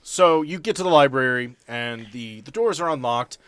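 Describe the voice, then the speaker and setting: A man acts as game master for a tabletop game. He improvises in a conversational, stop-and-start way, with a medium-pitched voice. The recording is dry, with hardly any room sound. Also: animated, normal speed, fairly bright tone, smooth, dry recording. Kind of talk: casual tabletop game narration.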